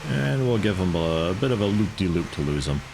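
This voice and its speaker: A man's voice: low voice, sing-song, brisk, vocal fry, background noise. A man in his thirties giving rambling, casual commentary while livestreaming a game, swearing now and then. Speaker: gaming livestreamer.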